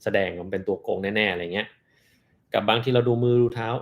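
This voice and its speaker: A man hosting a casual live Q&A, reading out viewers' questions and answering them in a relaxed way, thinking aloud with fillers. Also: lowish voice, fast.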